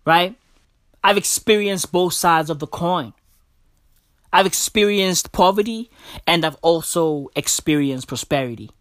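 On a podcast mic with a dry recording, a young South African host delivers casual solo commentary full of slang, addressing the listener as "bro" and "bruv." He sounds unhurried, his voice on the high side with a fairly bright tone.

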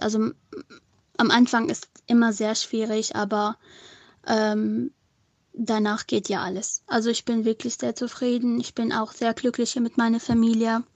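A woman's voice: on the high side, darkish tone, dry recording, muffled recording. Young Syrian woman, hesitant and earnest. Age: young adult. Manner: hesitant, many fillers, earnest. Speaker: interviewee. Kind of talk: personal testimony to camera.

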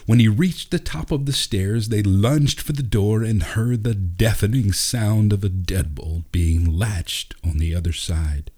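Deep slow guy reading a story, kinda dark mellow voice. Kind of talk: scripted story narration.

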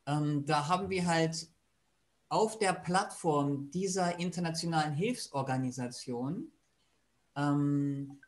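Guest, male, slightly higher voice, steady and plain-spoken. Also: slow pace. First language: German. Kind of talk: casual interview answers.

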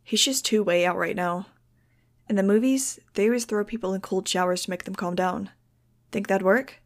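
A woman's voice: mid-range voice, moderate pace, natural voice. Woman as a bossy, anxious teenage girl. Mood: wry, concerned. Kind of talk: audiobook character dialogue.

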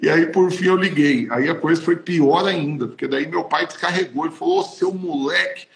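A man's voice: fairly high pitch, moderate pace, creaky. A man, a pastor, telling a personal testimony in an emotional, emphatic way. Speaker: pastor and podcast host. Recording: roomy echo.

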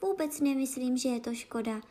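Outspoken young storybook girl, firm and clear, read by a woman. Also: sits high, warm tone, lightly acted. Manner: firm, plainspoken. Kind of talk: storybook reading.

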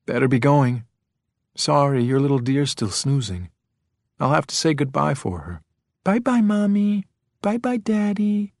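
A man's voice: on the high side, big pitch swings, measured pace, darkish tone, no room sound, clean studio sound, voice pushed up. A man voicing a taunting male intruder in an audiobook, smug and menacing with a mockingly sweet manner. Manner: mocking, sing-song endearments. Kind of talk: audiobook villain acting.

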